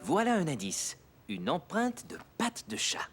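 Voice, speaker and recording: A man's voice: high voice, measured pace, over music, heavily acted. A man voicing a playful, encouraging young boy's father in a children's cartoon. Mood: playful, helpful. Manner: animated, encouraging. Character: playful, kindly father of a small boy. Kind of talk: children's cartoon dubbing in French.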